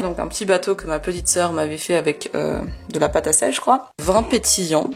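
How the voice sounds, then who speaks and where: Noticeable background noise runs through the clip. A woman races along at a very fast pace. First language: Russian (speaking French). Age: 20s. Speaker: law student and video creator. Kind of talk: casual room tour vlog. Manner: casual, many hesitations.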